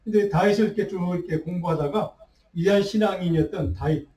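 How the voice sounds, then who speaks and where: A man preaching a sermon as pastor, unhurried, with restarts and fillers. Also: high-pitched, warm tone. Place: church sanctuary. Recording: roomy church sound, mic at a distance.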